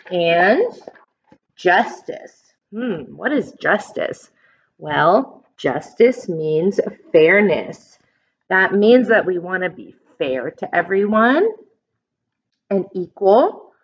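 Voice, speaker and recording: A woman's voice: medium pitch, muffled recording. An American woman, an elementary school teacher, reads a picture book aloud and explains it simply for young children, stressing key words.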